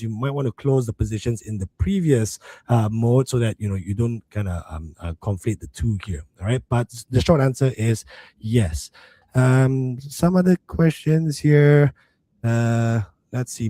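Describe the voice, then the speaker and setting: A man's voice: mid-range voice, warm tone, no room sound. A man with a mixed international English accent hosting a live trading webinar, talking casually to viewers with many fillers. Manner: conversational, many fillers, addresses viewers as folks. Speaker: livestream host.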